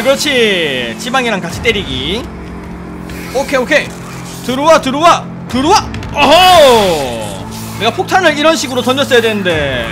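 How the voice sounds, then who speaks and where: Guy streamer doing goofy game commentary, really high voice, jokes at the characters, yells a lot when stuff happens. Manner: playful, jokey, talks to game characters; loud excited exclamations. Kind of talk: casual gameplay commentary. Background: game music.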